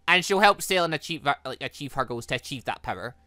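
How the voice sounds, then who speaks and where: A man hosting a gaming playthrough with casual, reactive, animated commentary. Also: mid-range voice, fast, dry recording, studio quality. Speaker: gaming channel host. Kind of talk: casual let's play commentary.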